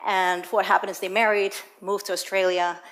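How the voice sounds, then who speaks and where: A woman's voice: mid-range voice, normal speed. A woman from the Netherlands giving a prepared talk on stage, telling personal stories about her life. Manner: personal, storytelling, lively anecdotes. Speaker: speaker. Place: auditorium stage.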